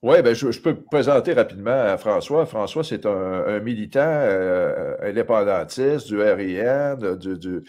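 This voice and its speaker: A man's voice: on the low side, lively intonation, darkish tone. A man who hosts the show and introduces a guest, stammering through repeated words and many fillers. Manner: halting, heavy stammering and fillers. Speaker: show host. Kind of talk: casual talk-show introduction.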